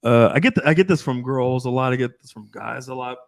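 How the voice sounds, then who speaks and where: A man's voice: medium pitch, fast, gravelly, no echo, clean studio sound. A man in his thirties, a dating coach, talking casually and at length on a podcast, swearing often and restarting his sentences. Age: 30s. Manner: rambling, profane, restarts often.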